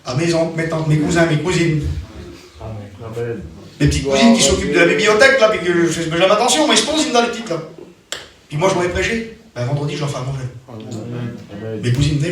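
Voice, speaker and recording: A man preaching a sermon as a personal story, emphatic and repetitive, often restarting his sentences. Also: fairly high pitch. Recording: very echoey hall, mic far off.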